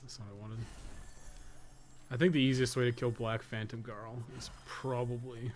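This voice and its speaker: A man talks through a video game live in a casual, unscripted way, swearing often and thinking aloud. His voice sits at an average pitch, with clear noise behind it. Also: flat delivery, normal speed. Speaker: game streamer and guide writer. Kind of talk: casual live gameplay commentary.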